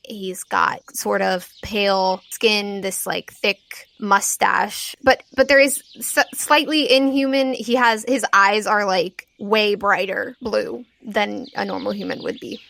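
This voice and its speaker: A woman improvising scene narration as game master, in a halting, conversational way full of "like". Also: medium pitch, steady tone, creaky, fairly bright tone.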